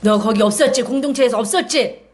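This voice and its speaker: A middle-aged woman pastor delivers a Sunday sermon with a slightly high voice. She preaches in an animated way and slips into the gentle, coaxing voice of Jesus to act out his words. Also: a little fast.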